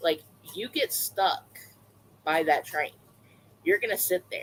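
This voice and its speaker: Here a woman speaks with a Southern US accent. She keeps a moderate pace. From US South. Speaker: livestreamer, aquarium hobbyist. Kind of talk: casual livestream chat. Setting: livestream.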